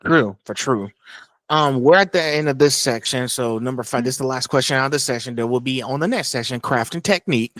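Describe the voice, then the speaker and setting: A man hosting a casual interview, with loose and halting phrasing as he asks questions. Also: medium pitch, a bit bright, dry recording. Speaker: interview host.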